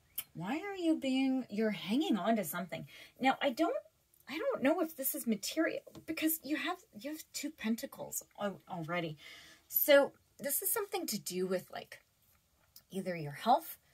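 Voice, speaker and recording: Against a quiet background, a woman speaks at a high pitch with very wide pitch swings. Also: moderate pace. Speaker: tarot reader. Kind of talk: tarot reading commentary. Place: home room.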